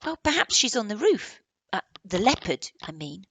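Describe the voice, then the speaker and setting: A woman voicing an excited young boy who shouts eagerly while hunting a leopard. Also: medium pitch, normal speed, husky, no room sound, pitched above the performer's own voice, exaggerated voice.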